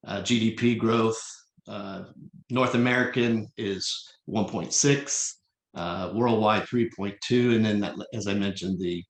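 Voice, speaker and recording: A man giving a slide presentation at a virtual public meeting as a consultant, speaking in a measured, explanatory but halting and hesitant way. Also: lowish voice. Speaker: consultant presenting an air cargo forecast. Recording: echoey, roomy voice pickup.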